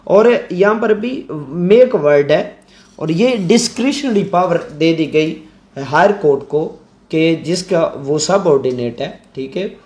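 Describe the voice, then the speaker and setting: A man with a Pakistani accent, lecturing on law slowly and deliberately, reading English legal text aloud and then explaining each point in his own words. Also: a little high, lively intonation, a little mellow, reverberant.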